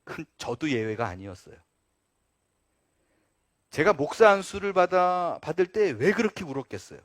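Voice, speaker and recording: A male pastor preaches with a fairly high voice and earnest force. He leans hard on key points, then drops low and quiet for asides. The sound is close and dry, with no room echo. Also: big pitch swings, moderate pace. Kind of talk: sermon.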